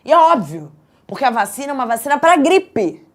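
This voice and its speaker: A Brazilian woman teaching an exam prep class in a chatty, lively way, often checking in with her students. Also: high voice, fairly quick. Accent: Brazilian Portuguese.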